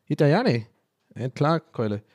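A man's voice: on the high side, very animated, normal speed, darkish tone, no room sound. A man putting on a brash, slangy male Berliner with an East Berlin accent, teasing and mouthy.

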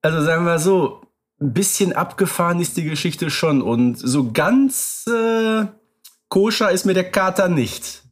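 A man's voice: high voice, expressive, unhurried. A man co-hosting a podcast, agreeable and matter-of-fact in casual chat. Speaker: podcast co-host.

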